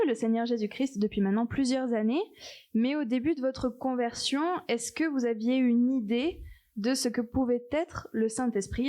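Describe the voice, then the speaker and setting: Woman, podcast host, soft-toned mellow timbre, slightly high pitch, conversational interviewing.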